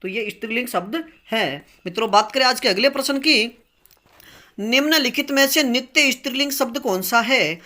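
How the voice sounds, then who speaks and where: A man's voice: very high-pitched, normal speed, sharp tone. A man teaching as he runs a grammar quiz, reading each question and its options, then explaining the answer patiently.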